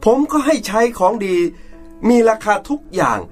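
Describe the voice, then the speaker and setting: A man plays a domineering wealthy businessman and father with a high-set voice. He talks in a bossy, scolding, self-righteous way, and faint music plays under the drama scene. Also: big pitch swings, normal speed, slightly rough, exaggerated voice. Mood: irritated. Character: domineering rich middle-aged businessman father.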